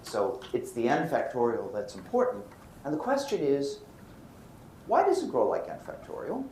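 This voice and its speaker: In a lecture room with a roomy echo and faint background noise, an American man from Brooklyn gives a physics lecture full of anecdotes, asking questions and answering them himself. His voice is mid-range and a little mellow, with wildly swooping pitch at a normal speed.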